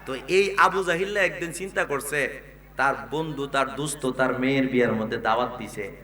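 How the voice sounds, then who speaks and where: A man preaching a sung waz sermon, chanting his storytelling and calling on the crowd to respond, sometimes bursting into shouts. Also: medium pitch, normal speed. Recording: echoey loud PA from far off.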